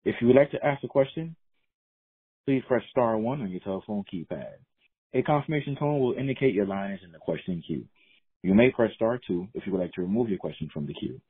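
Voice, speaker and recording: Husky male operator on a phone line. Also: lowish voice, lively intonation, fairly quick. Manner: formal, procedural. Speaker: conference call operator. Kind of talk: scripted call instructions. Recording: muffled narrowband phone line.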